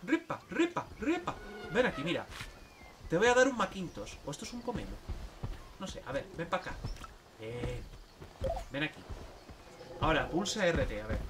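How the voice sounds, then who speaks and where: A man streaming a zoo game, chatting casually and coaxing the animals in a playful, excitable way. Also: a little high, moderate pace, long pauses, far from the mic, crowd noise. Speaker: gameplay streamer. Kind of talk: casual gameplay commentary.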